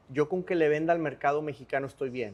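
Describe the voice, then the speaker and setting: Fairly even in intonation, a man speaks at a fairly high pitch. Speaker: interviewer, business show host. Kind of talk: interview. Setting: car dealership on location.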